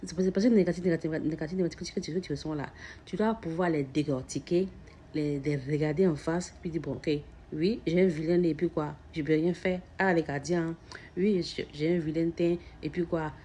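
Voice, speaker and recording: Woman with a fairly low voice, stammers a lot, repeats herself, earnest casual self-help chat, faint hum behind. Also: fairly even intonation, fairly quick, dark tone. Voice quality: stutters, repeats words and restarts phrases. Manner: earnest, reflective, addresses the listener directly. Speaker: mother sharing personal reflections.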